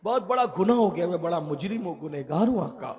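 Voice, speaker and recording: A man preaching voices a young grave robber confessing in tears, his voice dropped low and pleading. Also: lively intonation, quick pace, darkish tone. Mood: pleading remorse. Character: weeping young male grave robber, deeply ashamed.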